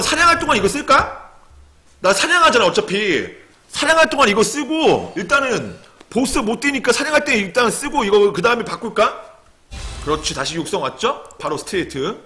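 A young man streaming a game, commenting casually and excitably, muttering one moment and yelling and cursing the next. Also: high voice. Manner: excitable, swings from muttering to sudden yelling and swearing.

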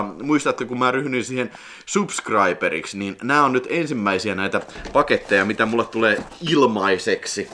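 Man in his forties, casual unboxing vlog, animated pitch, squealing exclamations, rambling nostalgic talk. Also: slight background noise. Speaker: video collector channel host.

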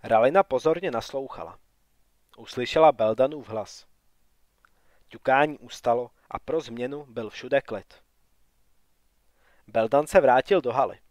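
A man narrating a fantasy audiobook in a calm, even reading. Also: mid-range voice, long pauses, no echo. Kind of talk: scripted narration.

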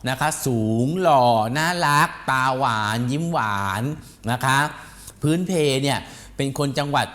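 A man hosting a celebrity gossip show, talking in an animated, repetitive way and ending nearly every phrase with a polite particle. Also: medium pitch, measured pace. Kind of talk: chatty entertainment gossip talk.

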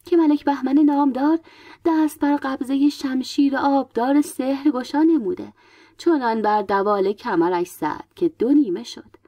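Mellow-voiced woman storyteller. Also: high voice, dry recording. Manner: measured, dramatic storytelling. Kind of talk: scripted narration of a folk tale.

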